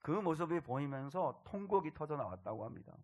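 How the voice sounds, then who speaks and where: A man preaching a sermon as pastor, telling a story earnestly, his voice dropping soft and then swelling louder. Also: a little high, expressive, brisk.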